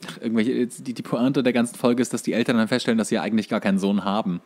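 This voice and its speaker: A man's voice: medium pitch, level tone, racing, a little mellow. A man co-hosting a podcast, explaining and recounting in a casual conversational style. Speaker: podcast co-host. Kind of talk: casual chat, explaining cartoon episodes.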